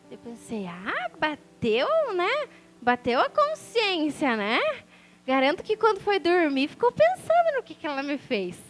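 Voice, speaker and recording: A preacher with a very high voice delivers a personal testimony as a sermon. She tells the story with animation and acts out the voices of the people she quotes.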